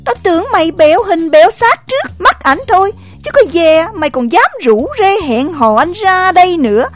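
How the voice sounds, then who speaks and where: Woman acting jealous village wife, Southern Vietnamese accent, shrill, scolding, high voice, lively pitch. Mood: furious. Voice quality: shrill, scolding, rapid-fire. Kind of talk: audio drama acting.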